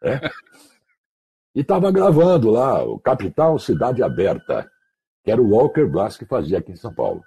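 A man from Mato Grosso do Sul in Brazil, a radio announcer guest on an online call, telling slangy anecdotes with lively, acted-out quoted voices. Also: on the low side, normal speed, gravelly, husky. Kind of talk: casual storytelling.

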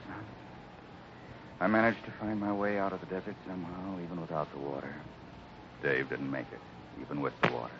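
An actor playing a grave, kindly Western ranch boss, speaking slowly and solemnly in 1950s radio drama style. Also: male voice, very deep voice. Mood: quiet, regretful. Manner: slow, deliberate, solemn. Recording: muffled, noisy old radio recording.

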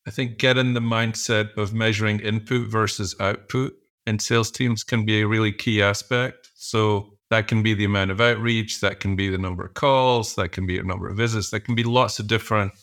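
A man's voice: fairly low pitch, steady tone, fairly quick, few pauses, fairly bright tone. A middle-aged man answering interview questions as a guest, thinking aloud with frequent restarts and fillers. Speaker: podcast guest, executive coach.

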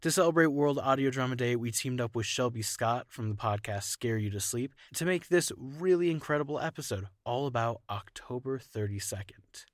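A man hosting and narrating a podcast, reading scripted material in a measured, clearly enunciated way. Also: mid-range voice, dry recording, studio quality. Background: music.

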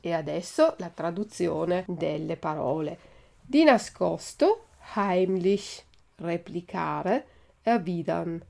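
A woman teacher reading a story aloud and going through vocabulary in a clear, deliberate way. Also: on the low side, animated, a little mellow. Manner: clear, deliberate word-by-word delivery. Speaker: Italian teacher. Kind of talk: slow storybook reading for learners.

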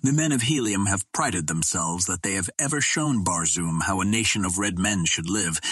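A proud young alien noble voiced by a male narrator declaims with formal, stoic defiance. The voice is husky and fairly low, in a dry audiobook recording. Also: a bit bright, no echo, heavily acted.

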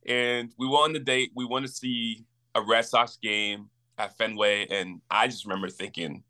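A man in his twenties, originally from Liberia, speaks as a guest on a podcast. His voice is bright and forceful, and he tells his story in an earnest, animated way. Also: on the low side, moderate pace. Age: 20s. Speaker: campus minister, guest. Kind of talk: casual interview storytelling.

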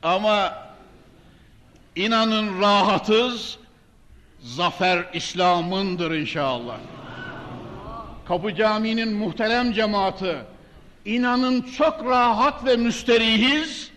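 Older male preacher, high-pitched oratorical delivery at a pulpit microphone in a long-reverb hall. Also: takes it slowly, long pauses, pushed and bright. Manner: emphatic, oratorical, addressing the congregation directly. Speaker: mosque preacher. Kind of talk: sermon from the pulpit, with Quran quotations. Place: large mosque, indoors.

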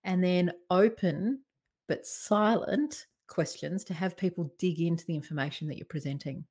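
A woman giving presentation tips in a conversational, expressive way, varying her tone and emphasis. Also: fairly low pitch, normal speed, slightly rough. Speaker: presentation coach. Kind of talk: talking-head presentation tips.

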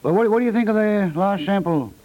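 An actor playing a fussy, folksy middle-aged contractor who stammers and repeats himself, in a 1950s radio comedy. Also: male voice, high-pitched, a little fast, warm tone, close to an everyday voice, rough recording. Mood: folksy, knowing. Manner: stammering, repeats words, folksy ungrammatical speech. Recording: vintage 1950s radio recording.

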